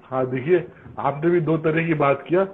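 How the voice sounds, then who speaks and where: A man's voice: a little high, normal speed. A man hosting a conversational interview, often giving short encouraging replies. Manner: encouraging, frequent affirming interjections. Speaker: interview host. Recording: tinny phone-like call audio.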